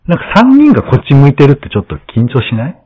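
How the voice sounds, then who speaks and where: A man hosting a podcast, chatting casually and telling a story in an animated way, acting out the lines of the people in it. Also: mid-range voice, racing. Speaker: podcast host. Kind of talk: casual chat. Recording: dull lo-fi sound.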